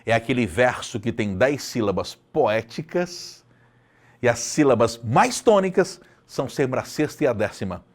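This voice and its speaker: A man from Brazil, teaching a video lesson in an expressive, emphatic way, repeating lines for effect. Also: medium pitch, unhurried. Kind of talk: video lecture.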